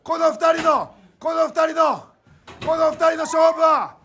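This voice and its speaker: A man calling pro wrestling live in breathless, rising bursts like goal commentary, shouting and repeating his phrases. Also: extremely high pitch, unhurried. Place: small indoor wrestling room. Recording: noisy small room with crowd din.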